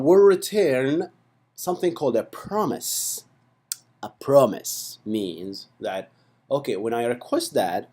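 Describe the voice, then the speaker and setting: A man's voice: medium pitch, a little mellow. A man teaching programming in a casual, chatty tutorial, often checking in with the listener with asides. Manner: chatty and playful, with frequent "right?" and "okay" asides. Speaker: programming instructor. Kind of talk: casual screen-recorded coding tutorial.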